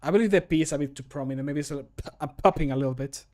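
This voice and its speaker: A man's voice: on the high side, rapid-fire, mellow. A man in his thirties chatting casually on a livestream from a small room at home, joking, commenting on what he does and swearing lightly. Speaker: streamer recording mod voice lines.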